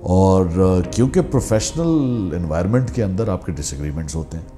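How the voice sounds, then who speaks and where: A middle-aged man from Pakistan, recounting his career in media as an animated storyteller who mixes English phrases into his talk. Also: low voice, normal speed, music in the background. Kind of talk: candid memoir conversation.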